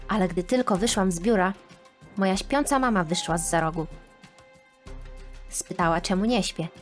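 A woman reading a scripted first-person animated story aloud, with expressive, dramatic storytelling. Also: on the low side, moderate pace. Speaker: narrator. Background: faint background music.

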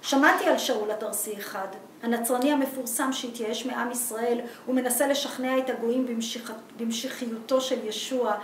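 A woman's voice: a little high, fairly even intonation, hardly any pauses, close to an everyday voice. A woman voicing a big, hot-tempered, suspicious young farmer in a novel reading, in an echoey room. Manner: loud, indignant, challenging. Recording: echoey room, distant mic, background noise.

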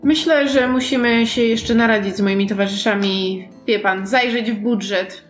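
A woman's voice: on the high side, moderate pace. A woman playing in a tabletop role-playing game, improvising dialogue in character. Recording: roomy sound with faint music.

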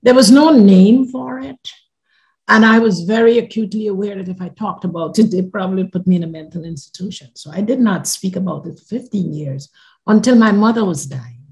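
An older woman from Guyana, a podcast guest earnestly telling a personal story on a video call from her living room, her phrases often fading softly at the end. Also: medium pitch, fairly quick.

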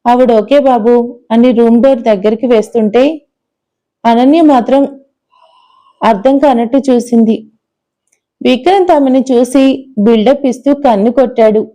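A woman storyteller giving expressive, dramatic scripted narration of an audio love story. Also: on the high side, normal speed, pauses often, low-quality recording.

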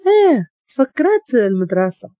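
A woman's voice: a little high, big pitch swings, moderate pace, dark tone, no echo, muffled recording. A woman with a Moroccan accent voicing a timid, poor young woman in a spoken story. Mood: pleading.

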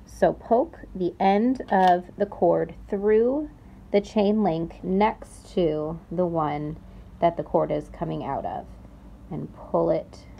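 A woman's voice: on the low side, creaky, a little mellow. A young woman presenting a craft tutorial, explaining each step carefully and repeating key words for emphasis. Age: young adult. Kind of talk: step-by-step instructional demonstration.

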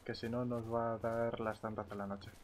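A man with an accent from Spain chatting casually in an online roleplay game, thinking aloud in a halting way. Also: medium pitch, little pitch movement, a little hiss or hum. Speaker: gamer role-playing online.

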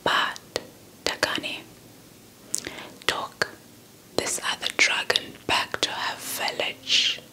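A young Xhosa-speaking woman from South Africa whispers a folktale as an ASMR storyteller, repeating words on purpose for effect. Her tone is sharp. She holds a handheld mic with a fluffy windscreen close, in a small indoor setup in front of a cloth backdrop.

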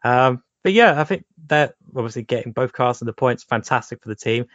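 A man's voice: mid-range voice, expressive, brisk, fairly bright tone, no room sound, muffled recording. A man on a motorsport podcast panel, hesitant and thinking aloud with fillers. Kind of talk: casual motorsport panel chat.

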